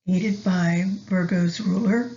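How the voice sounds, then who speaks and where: Speaking softly at a very slow pace, a woman guides a meditation, leaving long pauses between phrases. Her fairly low, steady voice is soothing, and the recording sounds a little dull and lo-fi.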